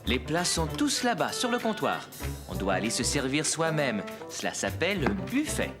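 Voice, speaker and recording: A man's voice: a little high, sing-song, normal speed, over music. A man playing an easygoing, caring father in a children's cartoon, explaining things patiently. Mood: patient, upbeat.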